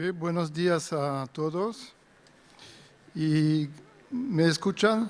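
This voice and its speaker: A man speaks at a very slow pace. His pitch is fairly high. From France. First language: French (speaking Spanish). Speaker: wheat breeder and conference speaker. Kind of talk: conference presentation. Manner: hesitant, with fillers.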